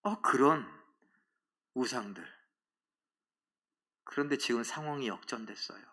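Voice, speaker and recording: A male pastor preaching a sermon in a church, acting out quoted taunts with loud outbursts and dropping to a hush for emphasis. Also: mid-range voice, a little slow. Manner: dramatic, acts out quoted taunts and cries with sudden loud rises; drops to a hushed, soft voice for emphasis. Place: church sanctuary.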